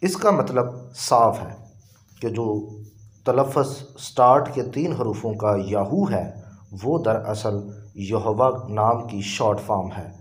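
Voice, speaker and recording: Slow, low-voiced man with an Urdu accent. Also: darkish tone. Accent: Pakistani Urdu. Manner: slow, deliberate explaining. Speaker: preacher. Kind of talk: Bible teaching lesson.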